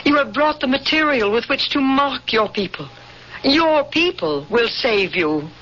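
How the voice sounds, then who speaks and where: A woman's voice: sits high, lively intonation, a little slow. An actress playing a female interrogator and secret rebel in a radio drama, solemn, insistent and declamatory about her prophecy. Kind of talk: 1970s radio drama acting. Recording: dull, noisy old radio broadcast.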